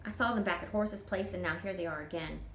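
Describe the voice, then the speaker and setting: A woman's voice: lowish voice, fast, fairly bright tone. Woman reading as fifth-grade girl, storybook character, earnest, plainspoken, watchful, room echo, some background noise. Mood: curious, uneasy.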